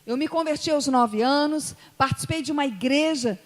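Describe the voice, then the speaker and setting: A woman pastor from Brazil, with a Brazilian Portuguese accent from Espírito Santo, preaching a sermon and telling stories, going from soft asides to loud emotional peaks. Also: high voice, moderate pace. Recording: long hall reverb.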